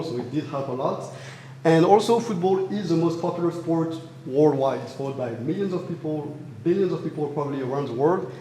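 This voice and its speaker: A man's voice: a little high, mellow, slight background noise. French-accented young man in an echoey hall. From France. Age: young adult. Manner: earnest, with frequent fillers and restarts. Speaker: student presenter. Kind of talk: academic thesis presentation. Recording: roomy hall reverb, faint ambience.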